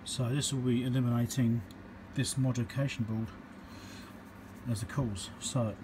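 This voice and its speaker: This man's mid-range voice holds a steady tone at a moderate pace as he narrates electronics repair work at a workbench. The talk is casual and unscripted, matter-of-fact, delivered in brief fragments as he thinks aloud, on a noisy hand-held workshop recording.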